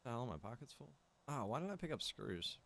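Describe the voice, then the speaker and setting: A man's voice: medium pitch, sing-song, a little fast, vocal fry, fairly bright tone. A man past his early twenties chats casually on a gaming livestream, rambling informally and circling back over his phrases. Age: adult, past early twenties. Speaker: game streamer and server owner.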